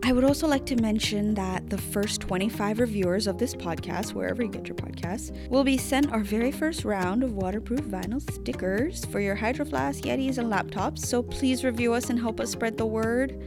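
A woman's voice: a little high, moderate pace, hardly any pauses, over music. Earnest woman hosting a podcast. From Mariana Islands. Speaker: podcast host. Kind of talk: scripted podcast narration.

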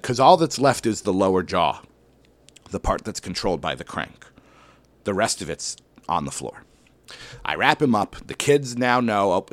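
A man, a schoolteacher, telling a personal story to an audience in an animated way, with sudden loud bursts and slow dramatic drops. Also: low voice, no echo. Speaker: elementary school teacher.

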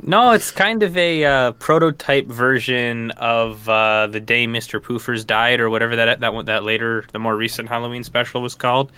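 A man co-hosting a relaxed podcast conversation, chatty and laughing easily. His voice is bright and smooth, with a clear, ringing tone. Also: mid-range voice, moderate pace, few pauses, no room sound. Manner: chatty, laughs often, many fillers. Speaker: podcast co-host. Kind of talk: casual podcast chat.

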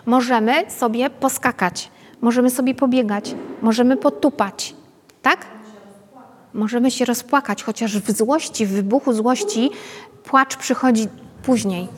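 High-voiced woman leading a workshop. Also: measured pace, husky. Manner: chatty, often adds tag questions to check in with listeners. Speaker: pedagogue leading a parenting workshop. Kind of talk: informal workshop talk to a group. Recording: long reverb from a hall.

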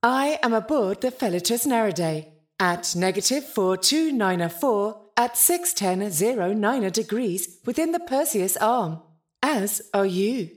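A woman's voice: medium pitch, expressive, a little slow, natural voice. A woman playing a prim, evasive, literal-minded ship's intelligence in a science-fiction audio drama, speaking with dry, formal politeness. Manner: formal, pedantic, dryly polite.

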